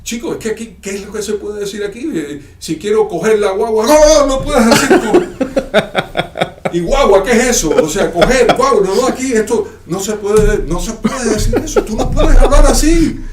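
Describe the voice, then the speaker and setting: A man with a Cuban accent puts on a flustered Cuban fellow who keeps cutting his friend off with frantic protests. His voice climbs high and gets loud. It sits in a roomy space, caught from a distance. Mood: excited scolding. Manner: excited, rapid, repeated protests.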